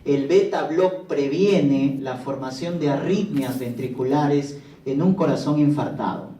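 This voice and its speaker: A man's voice: a little high, unhurried, warm tone, far from the mic. A man giving a pharmacology lecture in a classroom, asking the students questions and answering them himself. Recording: echoey classroom, voice from afar.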